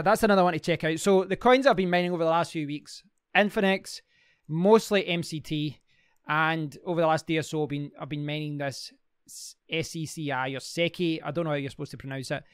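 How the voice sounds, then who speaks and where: Chatty man with a smooth, higher voice. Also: no room sound, clean studio sound. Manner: chatty, rambling, many fillers and restarts. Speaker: crypto mining channel host. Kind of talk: casual screen-share walkthrough.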